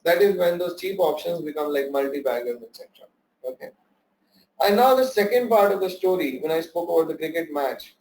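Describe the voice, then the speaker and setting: A man's voice: sits high, a little mellow, poor audio. A young man teaching options trading in a live online workshop, quizzing his audience and repeating key points. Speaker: trading instructor.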